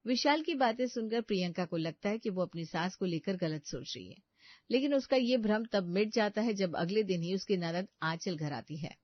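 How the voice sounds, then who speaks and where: A woman narrates a scripted family story in a steady, matter-of-fact voice. The sound is dry, with a slightly dull, lo-fi tone. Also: medium pitch, moderate pace, dry recording.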